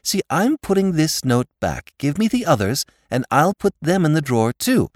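Reader as earnest young woman, raised pitch, coaxing, lively swoops, dry sound. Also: moderate pace, dry recording. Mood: soothing. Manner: pleading, soothing. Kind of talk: audiobook character voice.

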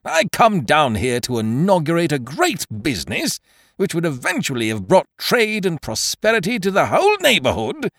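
A man reading aloud and voicing a blustering middle-aged male schemer who talks loudly and heartily. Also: fairly high pitch, wildly swooping pitch, normal speed, no room sound, clean studio sound, voice pushed up. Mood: outraged. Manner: hearty, loud, indignant.

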